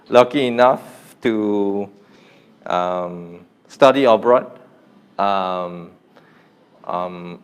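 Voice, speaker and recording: Young Korean man, smooth clear voice, energetic teacher pushing a beginner class to speak up. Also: on the low side. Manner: energetic, coaxing the class to repeat louder; informal, repeats himself and restarts often. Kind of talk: live online beginner class.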